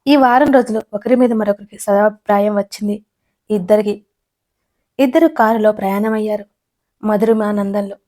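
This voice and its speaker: A woman narrating an audio romance story in an expressive storytelling way, voicing all the characters herself. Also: mid-range voice, moderate pace, long pauses. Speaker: writer and narrator.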